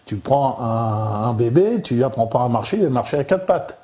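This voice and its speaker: Older Parisian man lecturing haltingly. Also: mid-range voice, expressive, mellow. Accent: Parisian French. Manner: halting, many fillers and repeated words. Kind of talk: informal lecture over slides.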